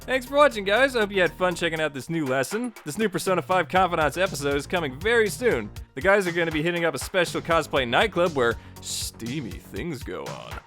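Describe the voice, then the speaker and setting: A man's voice: fairly high pitch, big pitch swings, fairly quick, hardly any pauses, a bit bright, faint music behind. A man narrating a scripted but casual tutorial as its host, with playful, joking asides.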